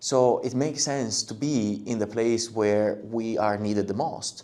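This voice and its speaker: Fairly low in pitch, a man with an Italian accent speaks at a fairly slow pace. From Italy. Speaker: tech company executive. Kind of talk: interview. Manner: halting, many fillers.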